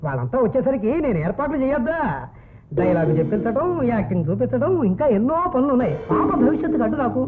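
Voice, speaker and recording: A sleazy, pushy film director. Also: male voice, extremely high pitch, sing-song, rapid-fire. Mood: coaxing. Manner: coaxing, pushy, sudden loud shouts. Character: sleazy middle-aged male director, pushy and leering. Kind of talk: dubbed film drama. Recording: phone-like narrow sound with music.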